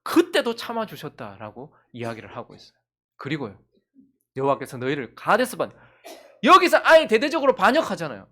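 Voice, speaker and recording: Gyeongsang woman pastor, lively swooping pitch, rhetorical questions to the pews. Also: a little fast. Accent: Gyeongsang Korean. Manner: animated, full of rhetorical questions to the congregation. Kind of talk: sermon.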